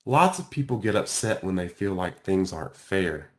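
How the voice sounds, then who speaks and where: A kindly male school counselor voiced by a man from a children's storybook. He is patient and reassuring, explaining gently with varied, animated intonation. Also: sits low, moderate pace, pitched below the performer's own voice.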